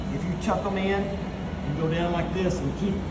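A man speaks at a fairly slow pace while music plays behind him. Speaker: fitness trainer. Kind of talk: tutorial. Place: gym. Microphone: camera far.

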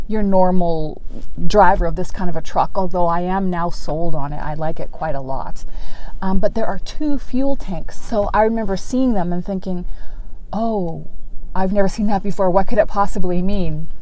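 The woman talks at a moderate pace with ordinary pitch variation. The sound is dry, with no echo. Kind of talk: casual vlog chat. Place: car.

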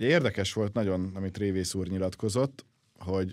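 In a very deep, low pitch, a man talks at a moderate pace with fairly even intonation. The recording is very clean, with a silent background. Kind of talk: casual chat. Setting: studio.

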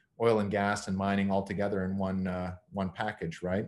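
A man's fairly low-pitched voice moves along at a moderate pace. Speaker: podcast host. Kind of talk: interview question. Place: office. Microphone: webcam.

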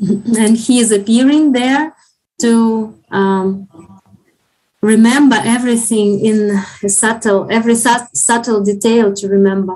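The woman talks very slowly, with long, frequent pauses. Her fairly high voice has a dark, mellow, somewhat breathy tone and fairly even intonation. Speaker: interpreter. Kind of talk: consecutive interpretation of a religious class. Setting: video call. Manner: halting. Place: home room. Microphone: video call.

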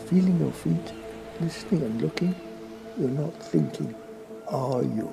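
A man speaks at a moderate pace over background music, his pitch rising and falling very widely. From United Kingdom. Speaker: meditation teacher. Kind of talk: meditation talk.

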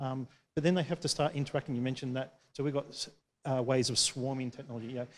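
Speaking at a very fast pace, a man with an Australian accent keeps his intonation fairly even. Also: medium pitch for a man. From rural Australia. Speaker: engineering professor. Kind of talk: panel talk. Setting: gallery with audience. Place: hall. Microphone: handheld.

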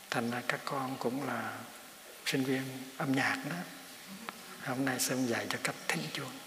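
A man's medium-pitched voice with ordinary pitch variation, long and frequent pauses, and noticeable background noise. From Vietnam. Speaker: Buddhist monastic teacher. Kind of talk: dharma talk for children. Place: hall.

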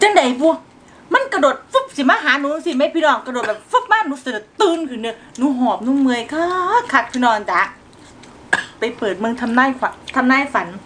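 A woman with a high pitch speaks over light background noise. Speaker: mukbang host. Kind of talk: casual vlog chat, storytelling. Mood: animated, dramatic storytelling. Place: home room.

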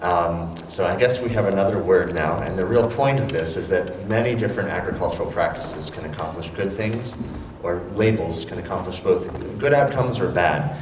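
Over noticeable background noise and audible room echo, a man talks at a fairly quick pace. His voice sits fairly low. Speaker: speaker. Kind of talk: lecture. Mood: relaxed, friendly. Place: hall.

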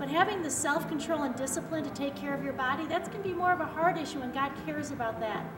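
A woman at a fairly quick pace with ordinary pitch variation, clear music in the background. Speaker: fitness instructor. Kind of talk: workout instruction with faith talk. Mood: warm, encouraging. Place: open country.

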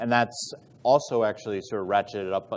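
Speaking at a very fast pace, a man with an American accent uses a fairly low pitch and ordinary pitch variation. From Massachusetts. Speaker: state digital health agency director; guest. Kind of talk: fireside chat panel. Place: hall.

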